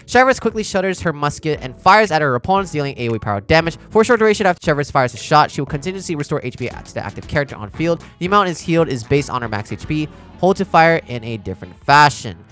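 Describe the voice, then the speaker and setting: Male streamer, casual game commentary, very lively pitch swings, chatty with his audience. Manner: animated, informal, talking to chat. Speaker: streamer reacting to a game character preview. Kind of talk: casual live reaction commentary.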